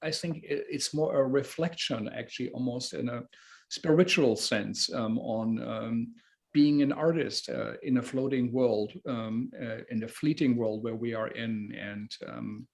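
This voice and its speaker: A man with a medium-pitched voice hosts a conversational book talk. He speaks haltingly, often pausing and repeating words as he works toward his point. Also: steady tone, gravelly, darkish tone. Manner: halting, hesitant phrasing with frequent repeats. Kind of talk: interviewing, conversational introduction.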